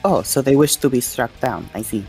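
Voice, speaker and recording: A man's voice: mid-range voice, fairly quick, creaky, darkish tone, soft background music, rough recording. A man playing a tabletop role-playing game, talking casually as a player. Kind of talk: casual game chat, some in-character narration.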